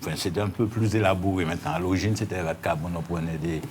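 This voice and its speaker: Low voiced martinican guy being interviewed, stumbles and repeats words, noisy background. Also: quick pace. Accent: Martinican French. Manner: hesitant, repeats words while explaining. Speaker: interview guest, union leader. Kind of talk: spontaneous interview answers. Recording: clear background noise.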